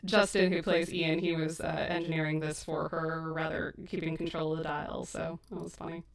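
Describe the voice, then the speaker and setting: A woman's voice: low voice, little pitch movement, fairly quick, creaky. A woman hosting a casual editing livestream, chatty and self-deprecating, laughing often. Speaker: audio drama creator and host. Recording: echoey stream mic from a distance.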